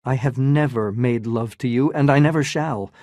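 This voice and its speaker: A man's voice: mid-range voice, normal speed, darkish tone, no echo, clean studio sound, close to an everyday voice. A man reading the part of a torn, earnest young man in a dramatized story reading, urgent and insistent.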